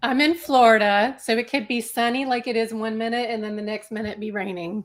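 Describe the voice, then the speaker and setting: In a Southern US accent, the speaker talks at a fairly quick pace with fairly even intonation. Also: woman, fairly high pitch for a woman. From North Carolina, US South. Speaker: artist. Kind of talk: live-stream interview.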